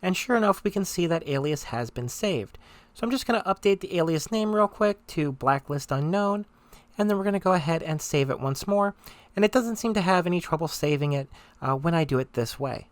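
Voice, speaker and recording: A presenter giving step-by-step software tutorial narration in an instructional, conversational manner. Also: mid-range voice, expressive, fairly quick, dry recording.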